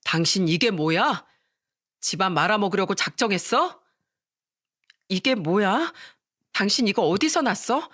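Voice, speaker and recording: A woman's voice: mid-range voice, lively intonation, normal speed, a bit bright. A woman voicing an angry husband who scolds his wife coldly, in a story reading. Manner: harsh, scolding.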